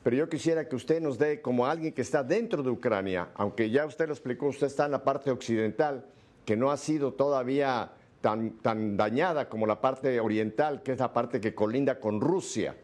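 A man's voice: mid-range voice, moderate pace, a little mellow. Attentive male interviewer. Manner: attentive, frequent backchannel murmurs. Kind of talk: interview questions.

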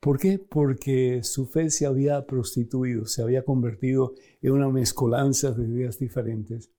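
A middle-aged priest preaches in a deep, mellow voice with a gravelly edge. He answers viewers' questions animatedly, leaping up in pitch when he acts out scripture. He chuckles now and then between his points. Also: fairly even intonation, normal speed. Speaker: priest and program host.

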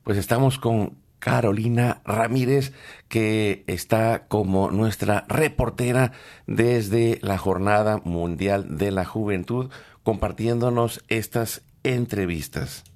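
A male studio host with a lowish voice speaks very slowly. He introduces reports in a measured way, with occasional fillers. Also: a little mellow. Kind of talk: live broadcast presenting.

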